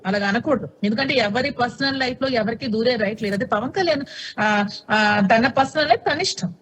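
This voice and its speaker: Fast-talking outspoken woman in an interview. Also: on the high side, fairly bright tone, breathy edge. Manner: outspoken, insistent, repeats herself. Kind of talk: heated TV interview answers.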